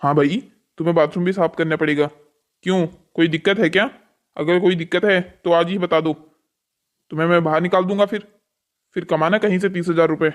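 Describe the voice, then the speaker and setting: A man's voice: high voice, fairly even intonation, brisk, natural voice. A man voicing a stern, exploitative hotel boss in a cartoon story, with a commanding manner. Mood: stern, bossy. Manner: bossy, commanding. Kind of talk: scripted cartoon story dialogue.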